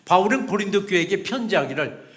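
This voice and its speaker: A man's voice: high voice, expressive, fast, fairly bright tone. A middle-aged male pastor preaching a sermon, emphatic and repetitive, acting out short quoted voices.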